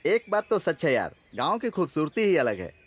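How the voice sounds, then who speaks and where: Dub role: actor as a brash joker friend, fairly high and animated. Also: male voice, moderate pace, slight background noise. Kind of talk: Hindi film dubbing.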